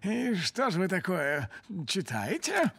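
A gruff, excitable cartoon character. His voice is high and gravelly, swinging widely in pitch, with faint noise behind it. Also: slow pace, heavily acted. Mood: puzzled. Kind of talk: animated cartoon voice acting.

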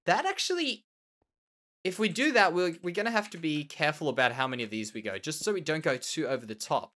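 A man's voice: fairly high pitch, sing-song, fast, bright, forceful tone. An Australian man with a nasal, slightly tender voice, musing and repeating words as he comments on his own Minecraft building. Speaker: Minecraft let's play host. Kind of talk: casual gameplay commentary.

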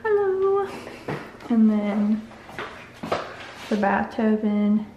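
A woman's voice: medium pitch, sing-song, extremely slow, dull audio, background noise. A young woman vlogging casually into a handheld camera, chatty and giggly as she gives a tour of an empty house. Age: young adult. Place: car, then empty house with bare rooms. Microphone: handheld camera at arm's length. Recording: echoey empty rooms.

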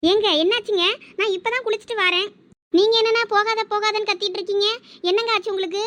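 A woman's voice: extremely high pitch, steady tone, quick pace, a bit bright. A woman playing a cheerful, playful young wife in a village drama, talking in a bubbly way. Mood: puzzled. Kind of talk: village web-series acting.

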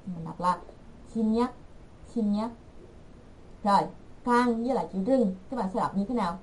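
A woman teaching an online language class, repeating words slowly and patiently for her learners. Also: medium pitch, a little hiss or hum, low-quality recording.

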